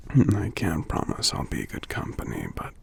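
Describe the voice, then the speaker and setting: Casting: male actor for tender, under-the-weather giant boyfriend, ASMR roleplay. Congested, heavily creaky voice, widely swooping intonation, soft and affectionate. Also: low-pitched, huge pitch swings, heavily acted. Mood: gentle, inviting. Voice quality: congested, stuffy, breathy half-whisper. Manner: soft, unhurried, murmuring hums between phrases. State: congested from a cold. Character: gentle sick male giant, tender romantic partner.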